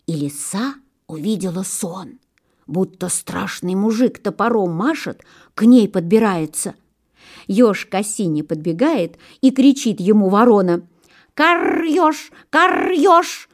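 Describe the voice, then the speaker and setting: A woman narrating fairy tales in a storybook reading, measured and expressive in her delivery. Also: medium pitch.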